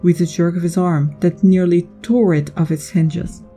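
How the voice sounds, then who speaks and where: A woman's voice: fairly low pitch, fairly even intonation, normal speed, dark tone, soft background music. A woman reading scripted story narration as the narrator of a drama.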